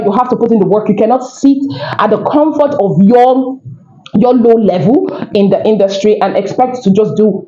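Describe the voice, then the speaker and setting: A woman's voice: mid-range voice, warm tone. A woman with a Nigerian accent, a voiceover coach teaching to camera in an earnest, encouraging way, repeating her points. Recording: roomy, dull lo-fi sound.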